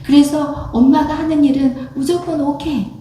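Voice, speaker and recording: A woman's voice: high voice, fairly even intonation, normal speed, warm tone, a little hiss or hum. A woman pastor preaching a sermon in a conversational, storytelling way, often quoting herself and her family. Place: church sanctuary. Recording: echoey church hall from far off.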